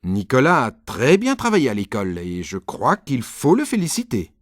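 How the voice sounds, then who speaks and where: A man voicing a patient mother in a storybook reading, speaking in a gentle, soothing way. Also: medium pitch, wildly swooping pitch, moderate pace, no echo, clean studio sound. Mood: calm.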